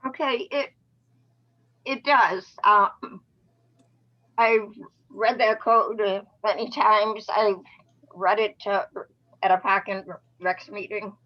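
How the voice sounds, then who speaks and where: A woman's voice: medium pitch, fairly even intonation, slow, pauses often. A woman with a Boston-area accent chairing a town meeting, her voice strained by allergies, hesitant and often restarting. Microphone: video call. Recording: muffled video call audio.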